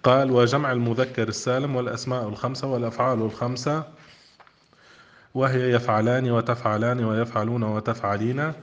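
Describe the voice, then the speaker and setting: A man's voice: medium pitch, level tone, fast. A male grammar teacher in a classroom lesson, reading out a text and then checking that his listeners follow with short questions. His voice sits in a middle range, and the recording is dull and lo-fi.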